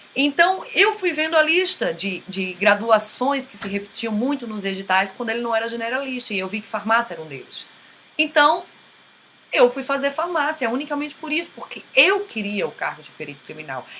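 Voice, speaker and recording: A woman with a northeastern Brazilian accent, high in pitch, at a moderate pace, with very wide pitch swings and big swings in loudness. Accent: Northeastern Brazilian Portuguese (Paraíba). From Northeast Brazil, João Pessoa (Paraíba). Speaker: podcast host, forensic expert. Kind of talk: casual talk to listeners.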